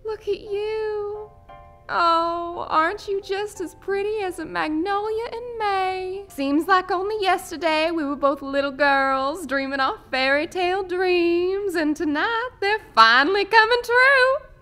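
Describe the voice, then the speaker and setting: A sweet young Southern belle for a character demo. She gushes dreamily in a high, drawn-out Southern US accent, with faint music behind her. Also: pushed and bright, heavily acted. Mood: gushing, dreamy.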